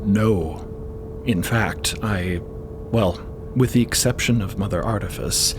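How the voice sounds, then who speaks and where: Man acting a halting, low-voiced cautious scientist. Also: music in the background. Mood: cautious, measured. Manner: halting, careful phrasing.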